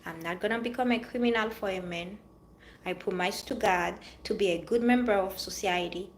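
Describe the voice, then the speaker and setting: A woman's voice: medium pitch, moderate pace, slight background noise. A woman with a Haitian-French accent, giving an earnest motivational talk to viewers and repeating her phrases for emphasis. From Haiti or France. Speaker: vlogger giving life advice. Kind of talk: motivational monologue.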